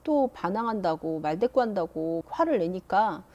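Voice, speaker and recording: A woman's voice: medium pitch, expressive, mellow, dull audio, natural voice. A woman voicing an aggrieved teenage girl. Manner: slow, aggrieved complaining. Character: resentful teenage girl scolded alongside her sister.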